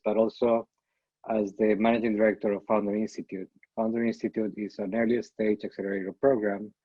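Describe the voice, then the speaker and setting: Halting middle-aged man on a dull video call. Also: lowish voice, dry recording. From Costa Rica. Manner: halting, repeats words while thinking. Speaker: panelist, startup founder. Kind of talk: casual panel talk.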